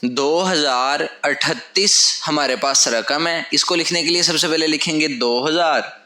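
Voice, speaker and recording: A man's voice: a little high, measured pace, pushed and bright. Patient man teaching step by step. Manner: patient, step-by-step, repeating key phrases. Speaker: language teacher. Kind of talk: whiteboard lesson explanation. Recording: echoey room.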